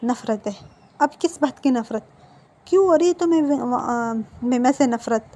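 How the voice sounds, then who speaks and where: A woman's voice: on the high side, normal speed, dark tone, close to an everyday voice. A woman voicing a heartbroken, defiant young man who pleads emotionally, close to tears. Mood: angry.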